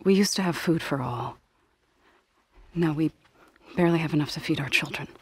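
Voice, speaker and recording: An actress playing a solemn, gentle tribal singer in a video game, speaking softly in measured, earnest, formal phrases. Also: female voice, low-pitched, breathy edge. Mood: grave, worried. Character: solemn, gentle tribal woman, grave singer of a farming people. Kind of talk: video game character dialogue.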